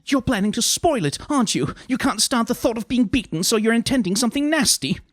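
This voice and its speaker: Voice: mid-range voice, expressive, fast talker, no room sound, pitched above the performer's own voice, close to an everyday voice. A narrator voicing a haughty, officious woman witch with a prim, bossy, formal manner in a story. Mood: accusing.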